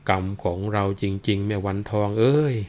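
A man's voice: on the low side, flat delivery, moderate pace, darkish tone, lightly acted. A man voicing a cowardly bald rich man who whines, wails and fakes illness and possession. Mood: whining. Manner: whiny, wailing, feigns illness and spirit possession.

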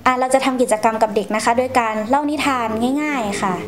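With a fairly high voice and quick delivery, a young Thai woman serves as a guest storyteller. She answers interview questions in a polite manner, explaining what she has experienced. Light hiss or hum runs underneath.

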